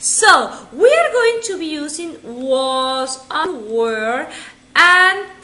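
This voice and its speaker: A woman uses a raised, projected voice with a bright, sharp tone and a high pitch. Her pitch swings very widely, and there is audible room echo. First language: Spanish. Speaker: English teacher. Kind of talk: online lesson review. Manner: animated.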